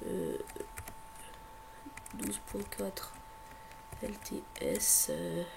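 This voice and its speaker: A man with a cold giving a hesitant, step-by-step tech tutorial, often pausing and repeating himself. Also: high voice, huge pitch swings, gravelly, background noise. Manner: hesitant, filler-heavy, repeats words. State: has a cold. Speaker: tutorial presenter. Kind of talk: screen-recording tech tutorial.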